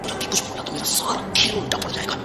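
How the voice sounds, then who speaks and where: A woman's voice: fast talker, lightly acted. A woman voicing a jealous, scheming little boy muttering breathily to himself in a horror audio drama. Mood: bitter scheming. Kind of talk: Hindi horror audio drama inner monologue. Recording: echoing voice under loud music.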